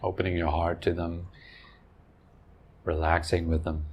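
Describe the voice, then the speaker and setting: A man leading a guided meditation as a teacher, speaking gently in short phrases with long pauses. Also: sits low, level tone, dull audio, a little hiss or hum.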